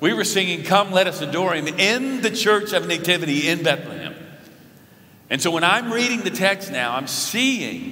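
At a moderate pace, a man speaks in a raised, projected voice with lively intonation. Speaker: pastor. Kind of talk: sermon. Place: church. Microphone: podium.

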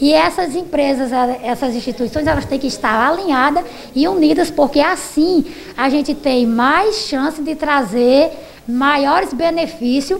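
Over light background noise, the speaker talks at a fairly slow pace with lively intonation. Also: woman. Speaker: agricultural extension technician. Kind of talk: interview. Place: hall. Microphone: handheld.

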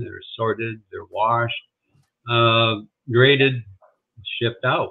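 A man's speech unfolds at a fairly slow pace, with a quiet background behind it. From US Midwest. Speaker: chestnut farmer. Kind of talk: interview. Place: home room. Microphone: video call.

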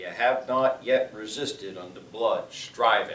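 A man speaking at a very slow pace, with light background noise and audible room echo. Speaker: preacher. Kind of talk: sermon. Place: church. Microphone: camera far.

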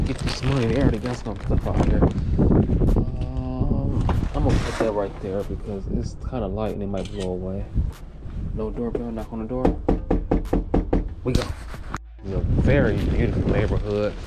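Long, frequent pauses at a moderate pace, with music in the background. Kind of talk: casual vlog commentary. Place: street. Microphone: phone near.

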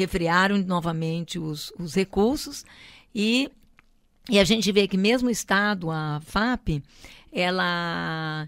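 This woman talks at a very slow pace with long, frequent pauses, her medium pitch showing ordinary variation. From Brazil, São Paulo state. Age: 60s. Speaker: epidemiology professor. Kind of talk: interview.

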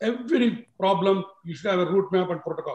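A man with an Indian accent talks at a moderate pace, with audible room echo. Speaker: orthopaedic surgeon; presenter. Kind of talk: webinar lecture. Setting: video call. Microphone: video call.

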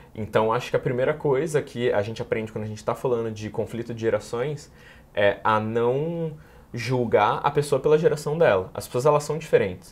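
A man speaks at a fairly quick pace with a medium pitch and ordinary pitch variation. His voice is somewhat breathy. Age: 20s. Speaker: corporate manager; interview guest. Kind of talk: interview. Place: studio. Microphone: lapel.

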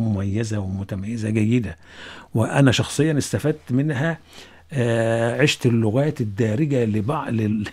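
A man with an Egyptian accent talks at a fairly slow pace with ordinary pitch variation. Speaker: longtime radio listener. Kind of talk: interview. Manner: halting. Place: studio. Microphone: studio mic.

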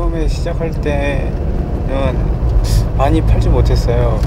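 Amid loud background noise, a man speaks at a moderate pace in a dry sound with no echo. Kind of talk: interview answer. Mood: reflective about hard times. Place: car.

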